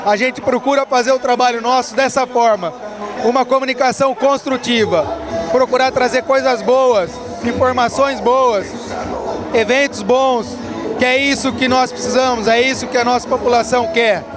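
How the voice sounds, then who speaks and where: Very high-pitched man at noisy event. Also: fairly even intonation, normal speed. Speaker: interview guest from local radio. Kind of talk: promotional interview answers. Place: outdoor rodeo at night. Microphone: handheld interviewer microphone. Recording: music and crowd behind.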